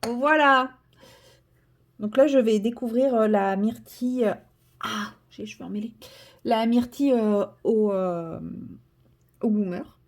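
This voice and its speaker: This French woman speaks at a measured pace in a slightly high voice, pausing often, as she colors at her desk for a casual vlog. Filmed indoors on a tripod camera, she's self-mocking and sometimes whispers.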